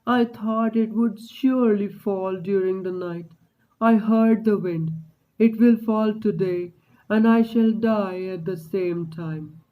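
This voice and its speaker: A man's voice: steady tone, slow, narrow, tinny audio. A man voicing a frail sick young woman. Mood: resigned. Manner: soft, weak, pitched up.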